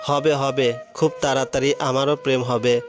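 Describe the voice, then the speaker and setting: A man's voice: medium pitch, flat delivery, moderate pace, natural voice. Man voicing a scornful young rich guy. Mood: dreamy. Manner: scornful, sharp-tongued. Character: arrogant young man Arnab, back from abroad. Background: background music.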